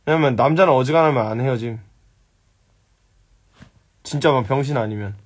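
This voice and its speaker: A man's voice: mid-range voice, moderate pace, breathy edge. A young man hosting a casual live stream, answering viewer questions bluntly, teasing and swearing at them. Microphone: phone.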